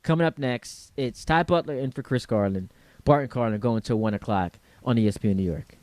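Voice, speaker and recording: A man's voice: medium pitch, fairly quick, noisy background. A man hosting sports talk radio, chatting in a conversational style.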